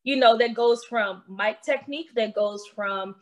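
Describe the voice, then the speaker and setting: A woman with a Baltimore accent, an audio drama creator who voices her own characters, talking emphatically on a panel. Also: a little high. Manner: emphatic, quickens with rhetorical questions. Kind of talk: panel discussion.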